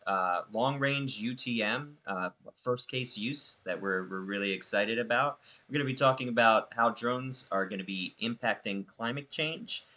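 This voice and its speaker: A man's voice: medium pitch, sharp tone. A man co-hosting a video-call chat show, enthusiastic, with frequent "uh" and "um". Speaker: co-host. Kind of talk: casual panel chat.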